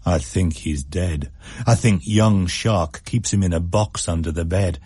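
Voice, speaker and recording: A man reading a radio story, voicing a middle-aged father who grumbles in a low, sardonic way. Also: measured pace, warm tone, husky, dry recording, clean studio sound. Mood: grumbling.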